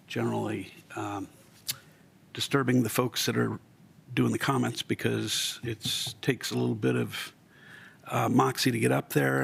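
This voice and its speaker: An American man chairing a formal council meeting in a brisk, businesslike manner. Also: mid-range voice, vocal fry, a little hiss or hum. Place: council chamber.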